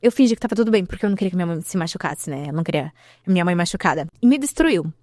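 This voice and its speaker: A woman in her thirties giving an emotional personal testimony as a podcast guest, telling her story with animated delivery and acting out the dialogue she remembers. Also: on the low side, very fast, no echo, studio quality.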